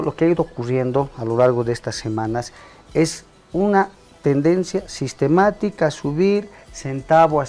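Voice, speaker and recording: A man who is a guest on a TV talk show, explaining exchange rates in a measured, analytical way. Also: fairly high pitch, a little mellow. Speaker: economist guest. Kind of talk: explanatory TV interview.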